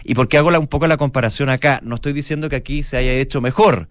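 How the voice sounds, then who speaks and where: A man's voice: mid-range voice, fairly even intonation, fast talker. A man with a Chilean accent co-hosting a morning radio show, giving rambling news commentary with frequent restarts. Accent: Chilean Spanish. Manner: rambling, restarts often, thinks aloud.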